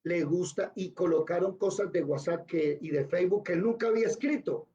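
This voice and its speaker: A man's voice: high-pitched, fairly quick, mellow, dull audio. A man with a Colombian accent, a Bible teacher telling a story in an informal lesson and often checking in with his listeners. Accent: Colombian Spanish.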